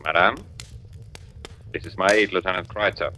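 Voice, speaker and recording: An actor playing a stern, commanding German colonel in a 1940s radio drama. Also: male voice, low voice, steady tone, normal speed, bright, forceful tone. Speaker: military officer in radio drama. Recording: dull old radio recording.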